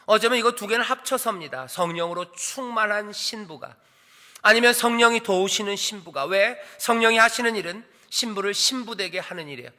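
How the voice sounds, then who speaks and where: High, bright-voiced man preaching a sermon. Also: brisk. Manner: preaching with rhetorical questions and repeated cries. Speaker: pastor. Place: church sanctuary. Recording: long hall reverb of a church.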